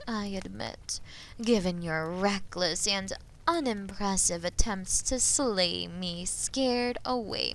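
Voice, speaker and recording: Slow, haughty dragoness, acted by a woman. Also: medium pitch, slight background noise. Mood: amused, condescending. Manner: imperious, deliberate, breathy phrase endings. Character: haughty, menacing female dragon, imperious and possessive captor. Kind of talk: slow, dramatic roleplay audio acting.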